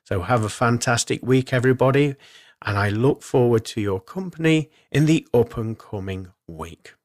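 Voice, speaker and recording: A man hosting a spiritual radio show, talking in a measured, reassuring way as he gives guidance and addresses his listeners. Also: medium pitch, lively intonation, a little mellow. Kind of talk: spiritual forecast and show sign-off, semi-improvised talk.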